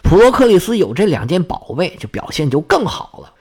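A man's voice: high voice, big pitch swings, brisk, a little mellow, slightly rough. A man telling myths in a folksy, chatty storyteller's way, with asides to his listeners.

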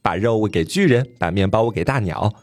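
A man voicing a talking white horse in a fairy tale, giving steady advice. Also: fairly low pitch, fairly quick, no echo, close to an everyday voice. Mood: calm advice. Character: talking white horse, calm wise helper. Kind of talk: storytelling podcast, retelling a tale.

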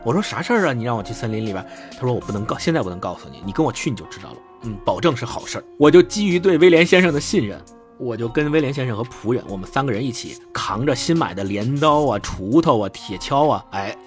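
A man casually retelling a story as a podcast host, lively and acting out the dialogue with shifting pitch.

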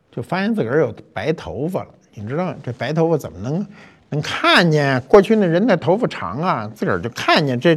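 An older man, hosting a talk show and telling a history story in a chatty, colloquial way with lively asides. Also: a little high, husky. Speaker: host.

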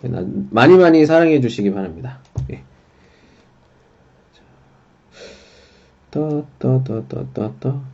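A man teaching a casual livestream language lesson, unhurried and dropping in frequent filler acknowledgements. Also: mid-range voice, animated, a little mellow, slightly rough, highs cut off.

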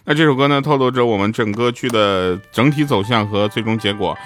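A man hosting a show in a relaxed, playful storytelling manner, telling a joke before introducing a song. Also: mid-range voice, fairly quick, soft background music. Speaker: radio drama cast member hosting a show.

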